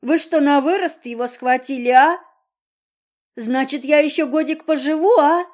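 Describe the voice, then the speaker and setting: A woman's voice: high voice, steady tone, measured pace, a little mellow, pitched above the performer's own voice. A woman voicing a brash, defiant sick young girl who talks bluntly and cheekily.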